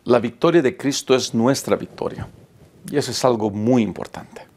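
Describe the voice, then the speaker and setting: A man in his thirties delivers a sermon, his voice gravelly and a little husky. He preaches with passion, lifting and dropping his emphasis to drive each point home. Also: medium pitch, moderate pace, a little mellow. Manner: impassioned preaching with rising and falling emphasis. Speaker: pastor.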